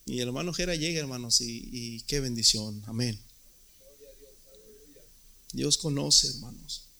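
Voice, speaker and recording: A man's voice: medium pitch, a little slow, vocal fry, pushed and bright. A man preaching a sermon as pastor, emphatic and often repeating words.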